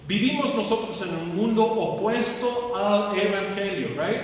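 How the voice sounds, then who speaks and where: A man preaching a sermon in halting Spanish as a second language, with English fillers slipping in, in a church sanctuary. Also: high voice, a little hiss or hum. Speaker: pastor. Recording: echoey, distant, muffled church livestream.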